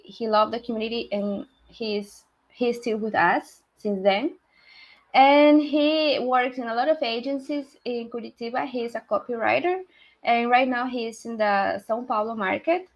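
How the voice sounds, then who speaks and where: Slow, halting Peruvian Spanish-accented woman. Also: fairly high pitch. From Peru. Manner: halting, many fillers and restarts, laughs often. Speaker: community member. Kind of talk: casual self-introduction.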